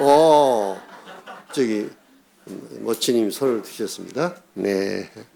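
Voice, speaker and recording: A man speaks very slowly in a dark, mellow tone at a medium pitch with ordinary pitch variation. Long, frequent pauses break his speech, and audible room echo surrounds it. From Jindo, South Jeolla, Korea. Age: 70s. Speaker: lay preacher. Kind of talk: sermon. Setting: church. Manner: halting.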